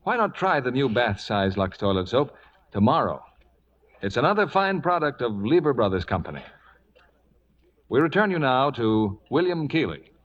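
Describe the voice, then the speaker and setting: A man's voice: mid-range voice, big pitch swings, moderate pace, a bit bright. A man announcing in a scripted 1940s radio advertising style. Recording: muffled vintage radio recording.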